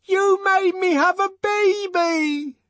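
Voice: medium pitch, very animated, dry recording, pitched above the performer's own voice. A reader voicing a desperate, anguished middle-aged woman from a novel, pleading in a trembling, wailing voice. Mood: screaming desperation. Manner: wailing, trembling, drawn-out cries.

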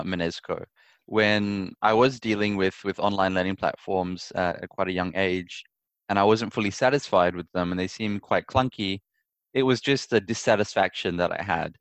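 A young man from Perth, Australia, answering interview questions in a friendly, relaxed way and repeating words as he thinks. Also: sits low, no echo. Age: young adult. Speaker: interview guest, startup founder. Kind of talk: conversational interview.

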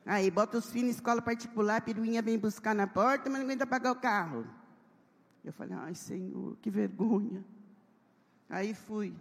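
A woman's voice: fairly high pitch, fairly quick. A woman pastor, telling a testimony in a sermon and acting out the dialogue. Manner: animated storytelling, acting out dialogue. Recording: long hall reverb.

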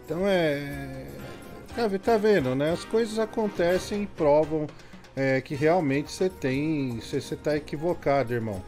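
A man hosting a call-in show, calmly teasing and settling down angry listeners. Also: on the high side, unhurried, faint music behind. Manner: calming, teasing, chatty. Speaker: radio show host. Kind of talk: casual studio call-in talk.

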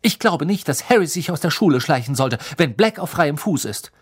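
Bossy clever schoolgirl witch as a man puts her on, raised pitch, sharp insistent tone, storybook reading. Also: normal speed.

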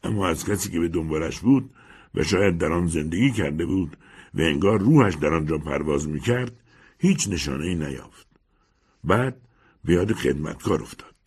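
A male audiobook narrator reading a literary short story. His voice is very deep and husky, and his delivery rises and falls a great deal. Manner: expressive storyteller.

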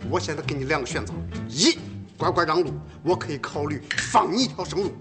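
A man's voice: a little high, animated, fast talker, music in the background. An actor playing a boastful, blustering male mountain bandit in a TV sitcom. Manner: blustering, wheedling, then cowardly. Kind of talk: TV sitcom acting.

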